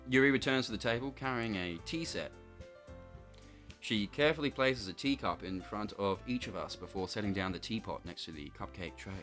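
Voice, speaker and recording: A man's voice: on the low side, a little fast, fairly bright tone, soft background music. A young man hosting a casual playthrough who reads a visual novel aloud and drops joking asides between lines. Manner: laughing asides, mock-narration. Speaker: host and reader.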